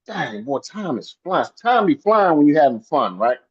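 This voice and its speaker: Male coach host, energetic hype-man delivery, dull lo-fi call audio. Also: fairly high pitch, normal speed, slightly rough. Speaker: sales coach and meeting host. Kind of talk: hosting a group video call.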